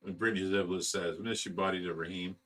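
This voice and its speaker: Male livestream host, bright tone, banter and laughs, slightly distant from the mic. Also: sits low, fairly even intonation, fast. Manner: laughs often, jokey banter. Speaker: livestream host reading chat. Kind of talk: casual livestream chat. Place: indoors at a fish rescue.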